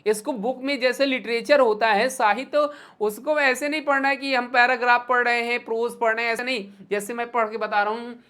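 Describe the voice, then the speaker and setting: A woman teacher with an Indian accent giving an online exam-prep lesson. She mixes Hindi and English, calls her students "beta", and reads English verse slowly in a rhythmic recital. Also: a little high, fairly even intonation, fairly bright tone.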